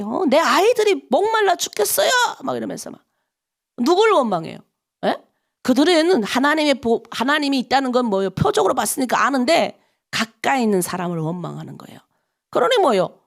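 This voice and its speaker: A middle-aged woman pastor from North Korea with a North Korean accent, preaching an early-morning prayer sermon in an animated way and acting out the voices of people in her stories. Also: high voice, gravelly.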